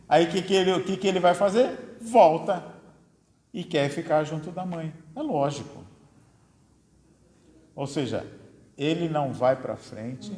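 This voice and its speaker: A Brazilian man gives a spiritist lecture in an unhurried, drawn-out way, with a voice that sits a little high for a man. He keeps checking in with his listeners and poses rhetorical questions as he goes. The sound rings through a roomy hall with a long reverb tail. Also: darkish tone. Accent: Brazilian Portuguese. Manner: conversational, tags sentences with "né?", asks rhetorical questions. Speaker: lecturer at a spiritist study center.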